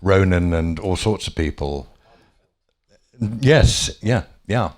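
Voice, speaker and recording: A man's voice: sits low, lively intonation, slow. An older man being interviewed, reminiscing casually with frequent chuckles, hesitations and restarts. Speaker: former offshore radio DJ, guest.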